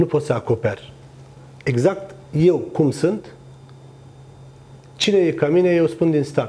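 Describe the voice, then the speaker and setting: A man speaks at a fairly slow pace with ordinary pitch variation. His voice is somewhat breathy, with a dark, mellow tone. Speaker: guest. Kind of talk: interview answer. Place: studio. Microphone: lapel.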